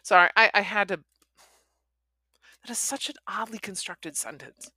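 A woman's voice: mid-range voice, normal speed, bright, forceful tone, breathy edge, dry recording. A woman podcast host reading a novel aloud, with chatty, critical asides.

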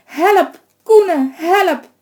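A woman's voice: very slow, heavily acted. A woman doing a frantic, wailing old village woman. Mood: panicked. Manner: high, loud, tearful pleading.

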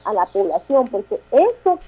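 A Guatemalan woman in her thirties, a town mayor speaking as a radio interview guest, halting with restarts and tag questions. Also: medium pitch, very animated, breathy edge, lo-fi sound. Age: 30s.

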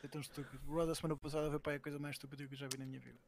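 A man's voice: fairly high pitch, flat delivery, rapid-fire, gravelly. A man with a European Portuguese accent, a podcast co-host bantering casually in blunt, sweary slang and often repeating himself.

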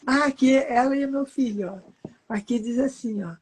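A woman's voice: high-pitched, moderate pace, crowd noise, rough recording. A woman in her eighties, from Brazil, chatting in an interview as a doting grandmother who reads aloud from her books and keeps pointing at the pages. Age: 80s. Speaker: author and guest.

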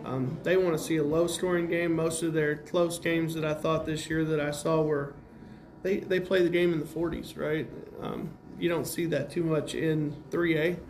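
An American man with a slightly high, darkish-toned voice answers interview questions as a basketball coach, analyzing play in plain, casual language. He speaks at a moderate pace with fairly even intonation, and there's some noise in the recording.

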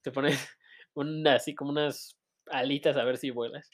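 A man's voice: medium pitch, steady tone, moderate pace. A man with a Mexican accent co-hosting a casual podcast chat, joking and laughing often. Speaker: podcast co-host.

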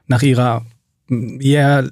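Man, podcast host, mid-pitched, dry close mic, casual, probing questions. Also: little pitch movement, darkish tone, no room sound. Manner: probing follow-up questions, quick reactions. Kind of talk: casual interview.

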